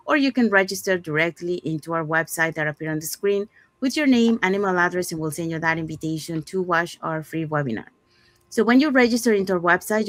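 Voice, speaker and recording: A woman's voice: fairly low pitch, a bit bright, dry recording. Woman host, dry close sound. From Panama. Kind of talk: scripted promotional talk.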